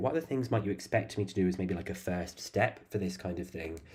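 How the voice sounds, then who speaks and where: In an English accent, a man talks at a very fast pace, his tone dark, mellow and somewhat breathy. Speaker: maths tutor. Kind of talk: livestream tutorial. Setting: livestream.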